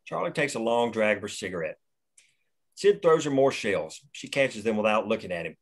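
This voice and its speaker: A man reading the action lines of a screenplay aloud at a table read, steady and plain. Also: on the low side, moderate pace. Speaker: narrator reading stage directions.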